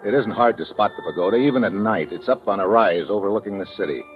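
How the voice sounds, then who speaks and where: An actor playing a tough, wisecracking special agent in a radio drama, with an American accent and a blunt, sardonic way of talking. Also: male voice, on the low side, fast, over music, lightly acted. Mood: tense, narrating. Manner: hard-boiled, sardonic, blunt. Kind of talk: 1950s radio drama acting and narration. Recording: muffled old radio recording.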